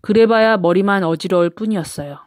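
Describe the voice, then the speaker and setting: A woman storyteller narrating a children's storybook with expressive, simple read-aloud phrasing for small children. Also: mid-range voice, fairly quick, no room sound, clean studio sound.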